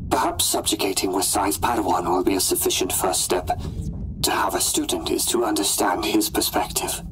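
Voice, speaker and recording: A man voicing an ambitious, brooding Sith Inquisitor in a pompous, deliberate, theatrical monologue for a scripted audio log. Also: low-pitched, fairly even intonation, whispered, close to an everyday voice, rough recording. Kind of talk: scripted in-character log narration.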